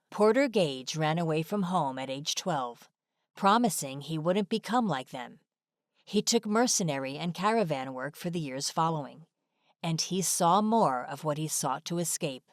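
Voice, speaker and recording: A woman's voice: low voice, no room sound, studio quality. A woman reading scripted narration for an online video as a voice-over. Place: close, dry voice-over recording.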